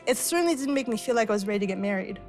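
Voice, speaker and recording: Higher-voiced middle-aged American woman cooking. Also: animated, very fast, darkish tone. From born in Iran, raised in Arizona, US. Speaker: guest cook. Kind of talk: cooking demonstration with personal storytelling. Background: music and frying sizzle.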